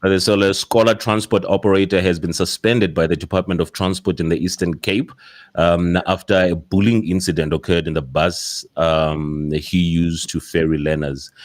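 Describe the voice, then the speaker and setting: A man's voice: low voice, fairly even intonation, normal speed. A South African man hosting a casual podcast discussion, talking in a rambling way with many fillers and restarts. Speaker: podcast host.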